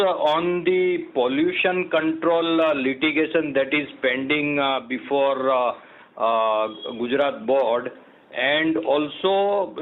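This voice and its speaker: Man, halting phrasing, conference call questioner, a bit high-pitched, phone-quality audio. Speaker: caller asking questions. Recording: thin phone line.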